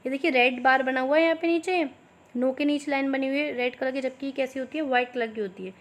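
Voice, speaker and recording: A woman teacher with an Indian accent, giving a lesson by mixing Hindi and English, dictating answers slowly and spelling words out letter by letter. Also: high voice. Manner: addresses students affectionately as beta. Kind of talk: online class lesson, Hindi-English mix.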